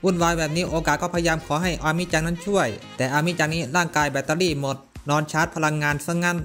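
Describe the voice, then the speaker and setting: Male recap narrator: fast, slightly high, casual slangy delivery over faint music. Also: a bit bright. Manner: brisk, chatty, slangy asides.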